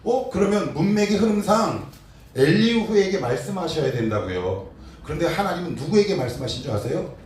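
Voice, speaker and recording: A man's voice: on the high side, very animated, a little fast. Man preaching in a very echoey church. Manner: rhetorical questions to the congregation, voice swinging loud and soft. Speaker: pastor. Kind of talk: sermon. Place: church sanctuary. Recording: very echoey hall, distant mic, faint noise.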